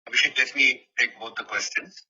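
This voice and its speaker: A man's voice: medium pitch, fairly even intonation, fairly quick, sharp tone, husky. A man, a company executive answering analysts on an earnings call, with a hesitant manner and frequent "you know" asides. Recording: muffled, lo-fi conference call audio.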